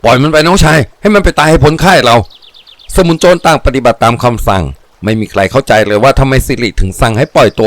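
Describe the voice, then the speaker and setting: A man narrating a crime adventure novel in a steady, vivid storytelling voice. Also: fairly low pitch, dry recording. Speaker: audiobook narrator. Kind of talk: dramatic audiobook reading.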